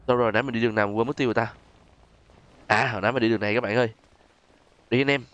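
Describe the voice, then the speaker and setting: A man's voice: mid-range voice, fairly even intonation, racing, fairly bright tone, dull audio. A man with a southern Vietnamese accent hosts a gaming video, giving casual gameplay commentary to his viewers.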